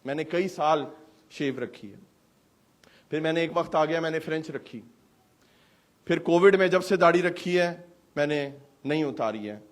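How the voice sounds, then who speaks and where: Male pastor, high-pitched, animated sermon delivery with rhetorical questions. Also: long pauses. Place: church hall service.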